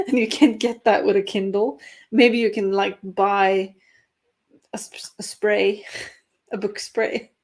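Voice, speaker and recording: A woman's voice: medium pitch, darkish tone. A young adult woman from Norway, a native Norwegian speaker, chatting casually with viewers on a writing livestream, with frequent laughs and fillers. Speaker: writing stream host.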